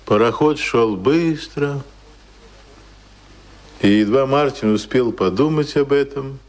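A man's voice: lowish voice, darkish tone. A man narrating a radio play in a scripted, literary style.

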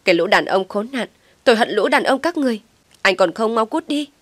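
A frantic, grieving young mother, as a woman storyteller puts her on, her voice pitched low yet breaking into shrill, crying outbursts. The sound is dry and close, with no room around it. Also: fairly quick, no echo, close to an everyday voice. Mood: distraught.

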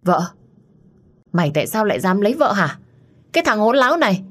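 A woman voicing a deranged, grieving older mother who rages and pleads in a shrill voice. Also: fairly quick, gravelly, darkish tone, slightly rough. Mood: furious. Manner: shrill, scolding, raving.

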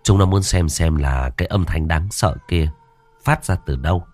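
A man's voice: sits low, moderate pace, darkish tone, soft background music. A man narrating a ghost story in a vivid, colloquial way.

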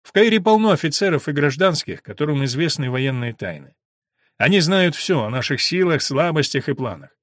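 A man voicing a stern English army major who speaks clearly, softly and seriously. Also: a little high, very animated, a little fast, no room sound, studio quality. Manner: clipped, soft, serious.

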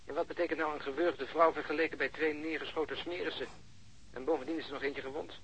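A man playing a blunt, cynical policeman in a radio drama, talkative and sardonic, with a rough voice over a phone line. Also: fairly high pitch, fairly even intonation, fast, fairly bright tone, exaggerated voice. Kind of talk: Dutch radio drama acting. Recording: muffled band-limited phone line.

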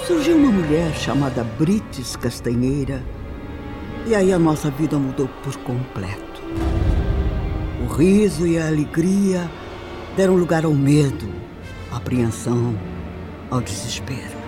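Solemn refined older brazilian mom telling her sad story, radio drama style, very animated melody, music behind. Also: deep voice. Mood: anguished, foreboding. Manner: theatrical, solemn, deliberate phrasing. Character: older upper-class widowed mother, grave, sorrowful, refined. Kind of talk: dramatic radio drama narration in a formal register. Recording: music under the voice. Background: background music.

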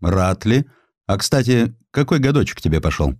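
Man playing a curt factory boss, deep voice. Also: very animated, moderate pace, darkish tone, no echo, clean studio sound. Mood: brisk approval. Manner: curt, businesslike, old-fashioned. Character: brisk, benevolent wealthy Moscow factory owner, male.

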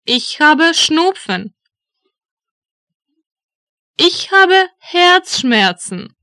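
A woman reads out short German phrases for learners, each one spaced out and repeated. Her voice sits high and bright, with a lively rise and fall. The recording is dry and close. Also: no room sound. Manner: deliberate, each phrase read twice. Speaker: German language teacher voice. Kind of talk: slow phrase drills for learners.

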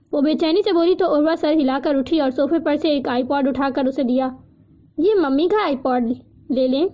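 A woman narrating a novel as an audiobook in a steady storytelling manner. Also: sits high. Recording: dull lo-fi recording.

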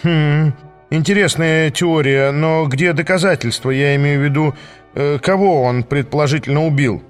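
A man's voice: a little high, steady tone, moderate pace, faint music behind, lightly acted. A man voicing a fawning, wheedling male devil merchant with a whining manner. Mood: prickly. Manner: whining, ingratiating.

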